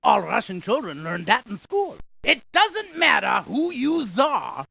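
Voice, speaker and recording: Heavily acted and very animated, this woman voices an eccentric, chatty scientist who spouts geography facts with dramatic stress and puns in an educational game. Her fairly high voice is bright and forceful, creaky with a breathy edge, and she keeps a measured pace while staying chatty and informative.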